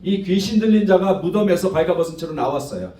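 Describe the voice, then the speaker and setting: A man's voice: high voice, fast. Guy pastor preaching, voice swoops up and down, english words mixed in, echoey and far from the mic. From Korean diaspora, 1.5-generation immigrant. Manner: mixes English words and phrases into Korean; animated, rhetorical questions to congregation. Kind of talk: sermon. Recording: roomy, distant microphone.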